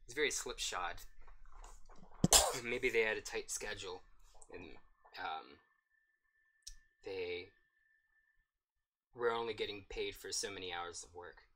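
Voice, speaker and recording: A young man talks loosely through a game stream, his voice bright but worn hoarse. He rambles and thinks aloud with plenty of ums. A faint hiss sits under the mic. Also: on the low side, slow, long pauses, poor audio. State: hoarse, coughing. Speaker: streamer reading a visual novel aloud. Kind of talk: casual let's-play commentary.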